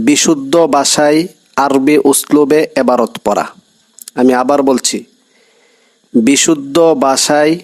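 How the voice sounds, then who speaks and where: A man's voice: a little high, a little mellow, low-quality recording. A man teaching an Arabic grammar class, reading Arabic text and explaining it in Bengali with quiz-style questions to students.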